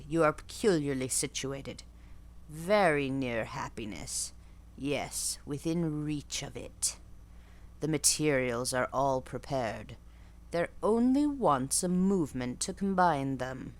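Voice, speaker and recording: A woman voicing a harsh old female gypsy fortune-teller who speaks slowly and deliberately in a low, decided voice. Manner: slow, low, emphatic pronouncements.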